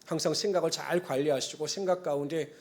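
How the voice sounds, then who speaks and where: A man with a rather high voice preaches a Sunday sermon as pastor. He moves between earnest, formal blessing phrases and relaxed, conversational asides to the congregation. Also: fast. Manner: conversational asides and acted-out quotes.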